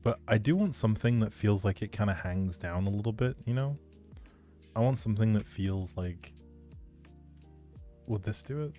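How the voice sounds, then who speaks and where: A man's voice: fairly low pitch, normal speed, pauses often, mellow, faint music behind. A man chatting casually to viewers on a game livestream, musing aloud as he plays. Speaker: game streamer. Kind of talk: casual livestream chat while playing a life-simulation game.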